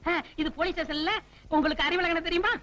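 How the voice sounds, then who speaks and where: An actor playing a muddled, forgetful young college student in a film comedy, bickering in a bewildered way. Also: male voice, extremely high pitch, fairly even intonation, quick pace, bright, forceful tone. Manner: bewildered, bickering comic delivery. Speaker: comic lead in a film.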